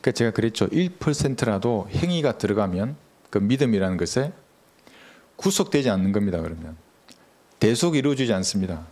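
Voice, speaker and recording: A man preaching a sermon as pastor, speaking in a measured, earnest way and asking the congregation questions. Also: fairly low pitch, very animated, a little mellow.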